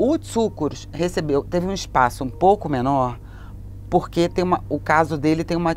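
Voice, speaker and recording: With a Rio de Janeiro accent, a woman speaks at a moderate pace in a very deep, low pitch. Her intonation is lively, with vocal fry. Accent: carioca. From Rio de Janeiro, Brazil. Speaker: journalist and author. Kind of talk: interview. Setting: studio. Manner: halting.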